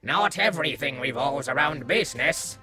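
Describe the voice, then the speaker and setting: A man's voice: fairly high pitch, expressive, moderate pace, over loud music, natural voice. A man voicing a crude, mocking male Christmas spirit with a psychotic streak in a fan audio drama. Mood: dismissive.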